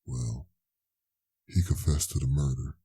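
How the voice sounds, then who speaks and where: A man narrating a scary story in a deliberate, suspenseful scripted style. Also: extremely low pitch, level tone, dark tone, breathy edge, dry recording.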